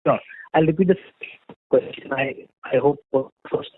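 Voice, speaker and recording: A man's voice: a little high, moderate pace. A man, an analyst, asks questions on a conference call. He hesitates and repeats words while his audio glitches and breaks up. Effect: glitchy, breaking-up phone audio. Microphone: phone. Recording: tinny, dry phone line breaking up.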